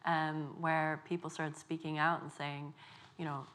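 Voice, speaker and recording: A woman in her thirties with a Dublin accent, an author speaking on a festival panel in a measured, reflective way. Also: low voice, level tone, a bit bright. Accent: Dublin Irish. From Ireland. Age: 30s. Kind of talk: panel discussion.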